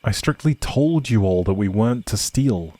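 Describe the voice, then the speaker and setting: Man acting as a low, husky outlaw prince. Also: lively intonation, mellow, no echo. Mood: firm, alarmed. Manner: measured, earnest, old-fashioned phrasing. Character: outlawed prince, young man, protective, loyal, gentle leader. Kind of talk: dramatic roleplay audio.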